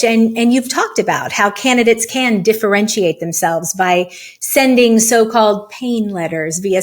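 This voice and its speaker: Woman host, podcast interview, measured questions, mid pitch. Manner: measured, scripted questions with casual asides.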